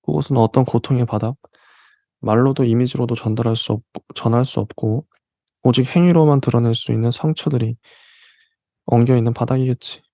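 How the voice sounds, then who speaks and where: A man hosting a literature channel, reading passages from a novel aloud and explaining them in between with soft fillers. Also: medium pitch, steady tone, creaky, dry recording. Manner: reads passages slowly, then comments with soft fillers.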